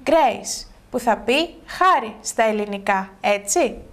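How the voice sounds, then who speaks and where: A woman's voice: medium pitch, animated, close to an everyday voice. A woman reading aloud as a friendly adult male director who keeps asking curious questions.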